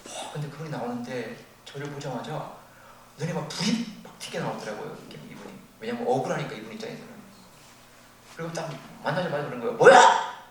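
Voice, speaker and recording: Older korean-church-style pastor guy preaching, lively storytelling, boomy distant sound with faint hiss. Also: fast talker. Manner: animated storytelling, acting out shouted quotes. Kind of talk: sermon with storytelling. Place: church sanctuary. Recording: very echoey, distant from the mic, faint noise.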